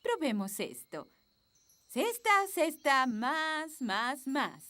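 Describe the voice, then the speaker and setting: High-voiced, theatrical cartoon fairy nanny. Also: female voice, very animated, very noisy, exaggerated voice. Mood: dry. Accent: Latin American Spanish. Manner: theatrical, drawn-out incantations and instructions. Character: bossy fairy nanny who casts magic spells. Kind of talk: children's cartoon dubbing.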